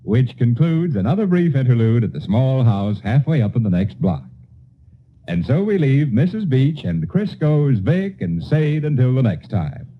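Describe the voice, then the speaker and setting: A man's voice: mid-range voice, very animated, moderate pace. An American man reading a show sign-off as an old-time radio announcer. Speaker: program announcer. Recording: tinny, noisy vintage radio recording.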